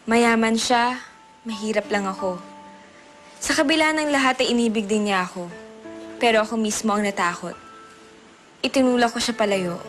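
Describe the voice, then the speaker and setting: An actress plays a poor young Filipino woman vendor in a television drama. Her voice sits on the high side, with faint music underneath. She comes across as big-sisterly, tinged with regret over love, and natural in delivery. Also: lightly acted.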